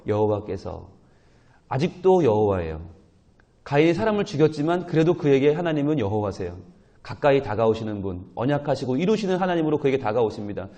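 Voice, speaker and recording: A man's voice: fairly high pitch, darkish tone. A man, a pastor, preaching at a dawn prayer service, asking the congregation questions, answering them himself and acting out the dialogue of the story. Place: church.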